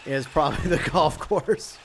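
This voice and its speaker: A streamer man chats loosely while playing, full of fillers and side remarks. His voice sits somewhat high for a man. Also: normal speed. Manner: rambling, chatty, many fillers and asides. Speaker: streamer host. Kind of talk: casual live-stream gaming chat.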